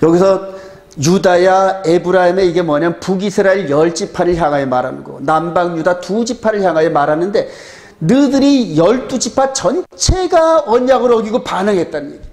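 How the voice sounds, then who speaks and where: A man preaching a sermon as pastor of his church, driving his points home with rhetorical questions to the congregation. His voice sits a little higher than most men's, and he leans hard on each point. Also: darkish tone.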